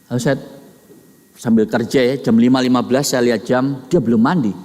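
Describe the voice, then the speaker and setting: A middle-aged man preaching a sermon, swinging between high emphatic peaks and low quiet asides, addressing his listeners as brothers and sisters. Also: fairly even intonation, a little fast. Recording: long hall reverb.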